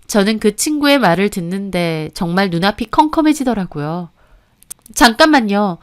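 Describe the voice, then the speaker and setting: A woman's voice: mid-range voice, expressive, normal speed, smooth. A woman narrating her own life story in the first person, in the earnest style of a radio story.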